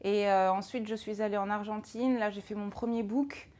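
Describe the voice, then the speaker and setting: A woman in her thirties, a jewelry designer, answering interview questions calmly and in a measured way. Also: medium pitch. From France. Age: 30s.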